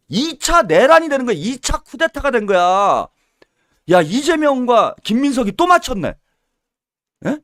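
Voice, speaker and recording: A man's voice: very high voice, a bit bright, dry recording, clean studio sound. A man giving a solo political commentary, heated and scolding, with mocking insults and little acted-out dialogues. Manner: acts out little mock dialogues.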